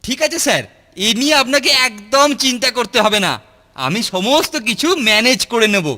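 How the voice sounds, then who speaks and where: A man's voice: very high voice, expressive, brisk, pushed and bright, heavily acted. A man voicing a scheming, boastful schoolboy bully in a children's cartoon, with a cocky, swaggering delivery. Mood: eager. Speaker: cartoon voice actor. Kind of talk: Bengali children's cartoon dialogue.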